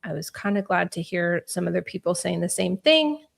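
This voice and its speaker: A woman's voice: fairly low pitch, expressive, moderate pace, creaky. A woman hosting a casual livestream chat, rambling and thinking aloud with many fillers. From Spain. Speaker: host.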